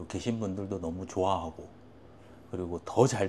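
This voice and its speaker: A man speaks in a very deep, low voice with a dark, mellow tone. He sounds somewhat breathy, and his intonation is fairly even. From South Korea, Changwon. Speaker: full-time stock trader. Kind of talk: interview. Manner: halting.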